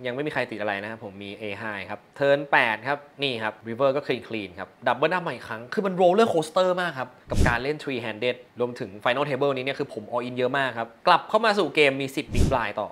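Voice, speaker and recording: Young guy breaking down his poker hands, chatty, laughs at his own mistakes, mid-pitched voice, throws in english poker lingo. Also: normal speed, hardly any pauses, slight background noise. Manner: lively, self-mocking, mixing English poker terms into speech. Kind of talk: casual hand-review commentary.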